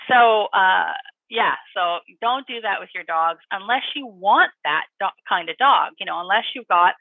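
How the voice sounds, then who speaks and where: A woman dog trainer and author chatting as an interview guest, animated and quick to laugh. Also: mid-range voice, gravelly, phone-quality sound. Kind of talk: interview guest, casual chat.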